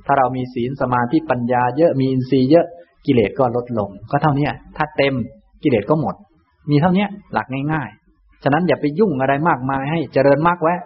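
A man, a Buddhist monk teacher, giving a calm, gentle dharma talk and answering questions. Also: mid-range voice, slightly rough, highs cut off. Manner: calm, unhurried, gentle explaining.

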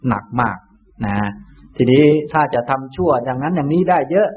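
A man, a Buddhist monk teacher, giving a calm, gentle dharma talk and answering questions. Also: a little high, breathy edge, lo-fi sound. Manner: calm, unhurried, gentle explaining.

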